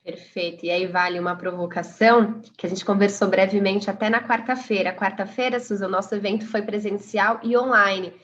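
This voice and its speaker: A woman's voice: mid-range voice, fairly even intonation, brisk, few pauses, a bit bright, muffled recording, slight background noise. A woman with a Brazilian Portuguese accent moderating a panel, chatting and reflecting aloud as she sets up questions. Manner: conversational, asks and reflects aloud.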